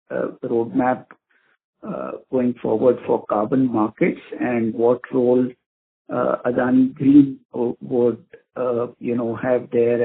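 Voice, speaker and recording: A man, an analyst caller speaking over a phone line, asking polite, deliberate questions on an earnings call. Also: medium pitch, gravelly. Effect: heard over a phone line.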